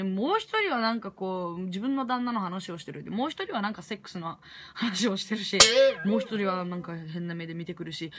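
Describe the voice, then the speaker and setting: A young woman with a Kansai accent tells a story in a casual vlog. Her voice swings widely in pitch as she acts out her own reactions. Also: fairly bright tone. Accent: Kansai Japanese. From Japan. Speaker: vlogger.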